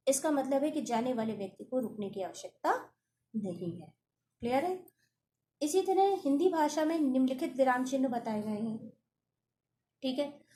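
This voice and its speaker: A woman teacher explaining a grammar lesson step by step, often pausing to ask her class if it is clear. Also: high voice, noisy background. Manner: explanatory, checks understanding often. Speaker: school teacher.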